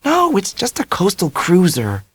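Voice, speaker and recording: A man's voice: high voice, wildly swooping pitch, a little slow, breathy edge, dry recording, pitched above the performer's own voice, full character voice. A man voicing an ebullient, quirky young blonde woman who talks in a bubbly, confident way. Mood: breezy.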